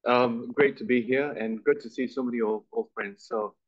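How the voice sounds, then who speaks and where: A man's voice: medium pitch, steady tone, moderate pace. Chatty self-deprecating man from Malaysia. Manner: chatty, self-deprecating, many repeated starts. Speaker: guest speaker. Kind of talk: conversational interview on stage. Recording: dull lo-fi recording.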